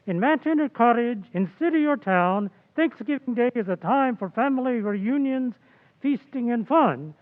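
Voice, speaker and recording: A man playing an old-time radio announcer reading a sponsor message in a measured, lofty way. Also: very high-pitched, lively intonation, big-room sound, narrow, tinny audio. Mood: earnest, measured.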